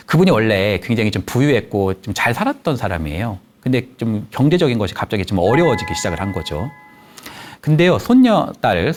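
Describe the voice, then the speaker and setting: A man who counsels people from children to the elderly, giving a lecture and telling anecdotes that he acts out in the voices of the people he quotes. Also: lowish voice. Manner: animated storytelling, acting out quoted voices. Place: lecture studio.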